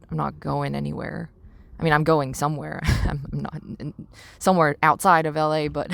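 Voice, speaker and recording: Slow, creaky-voiced young woman. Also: sits low, no room sound. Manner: halting, searching for words, with repeated phrases. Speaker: podcast host. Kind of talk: reflective personal monologue.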